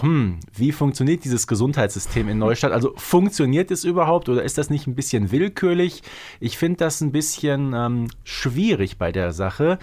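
Man chatting in a medium-pitched voice. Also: a little mellow. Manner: explanatory, conversational. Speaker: podcast co-host. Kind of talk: casual explanatory chat.

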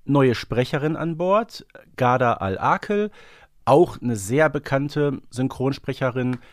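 A man's voice: medium pitch, takes it slowly, no echo. Man hosting a podcast, dry close sound. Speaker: podcast host. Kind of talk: conversational fan discussion.

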